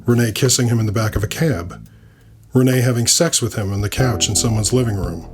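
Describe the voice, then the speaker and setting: A man's voice: fairly low pitch, brisk, over music. A man narrating scripted urban fantasy fiction in the first person, with a dry, wry delivery.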